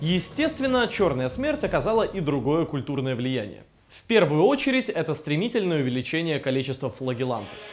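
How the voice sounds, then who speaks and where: Music behind the voice, with pitch swinging very widely. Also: man, fairly high pitch for a man, fairly quick pace. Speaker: history video host. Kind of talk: scripted narration.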